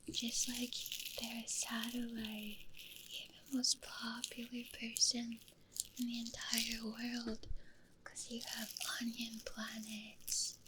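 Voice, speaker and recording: A woman streaming ASMR in a hushed, breathy whisper, speaking gently and intimately close into a stereo microphone. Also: on the high side, noisy background.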